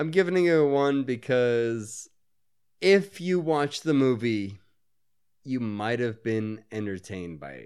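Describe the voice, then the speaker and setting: At a very slow pace, a man speaks at a medium pitch with very wide pitch swings and big swings in loudness. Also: very clean recording, silent background. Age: 30s. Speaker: podcast co-host. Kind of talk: casual chat.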